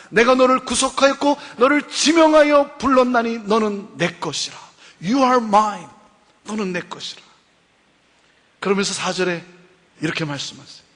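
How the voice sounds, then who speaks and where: A woman giving a preaching lecture at a Christian seminar, emphatic, repeating key phrases and asking rhetorical questions. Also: fairly high pitch. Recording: long reverb from a hall.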